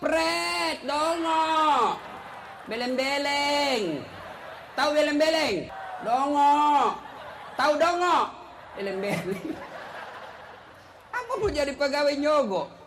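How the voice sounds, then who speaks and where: A middle-aged man preaching a humorous sermon, teasing the crowd and breaking into shouts. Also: very high voice, vocal fry, a little hiss or hum. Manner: joking, teasing, storytelling, bursts of shouting.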